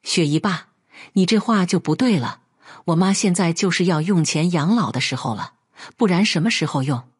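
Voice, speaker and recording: A woman voicing an indignant, sharp-tongued young wife who scolds her selfish father-in-law in a read-aloud story. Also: fairly low pitch, expressive, moderate pace, husky.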